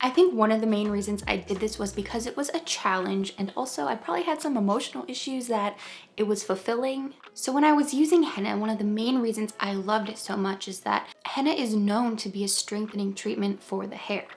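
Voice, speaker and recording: A woman with a slight New York accent speaks at a fairly quick pace with a fairly high pitch, lively intonation and hardly any pauses. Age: 20s. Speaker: beauty vlogger. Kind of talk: casual vlog storytelling. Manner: calm.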